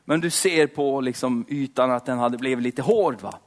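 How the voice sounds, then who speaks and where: A man preaching, moving from fervent prayer that repeats "Lord" between phrases into a casual, slangy sermon full of fillers. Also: medium pitch.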